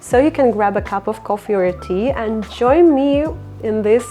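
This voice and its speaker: A woman's voice: a little high, moderate pace, mellow, faint music behind. Chatty Russian-accented woman in her thirties. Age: 30s. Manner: chatty, reflective, non-native phrasing with fillers. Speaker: vlogger. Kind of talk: casual personal vlog.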